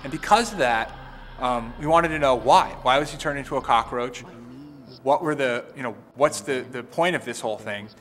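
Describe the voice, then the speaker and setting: Bright-voiced man musing in an interview. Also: medium pitch. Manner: reflective, halting, repeats words. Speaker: game co-creator. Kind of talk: documentary interview. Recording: reverberant room with faint music.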